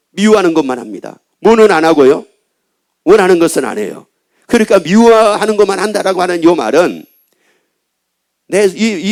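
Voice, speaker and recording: Animated, high-pitched Korean pastor preaching. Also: male voice. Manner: call-and-response questions to the congregation; colloquial, repetitive preaching. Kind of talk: sermon.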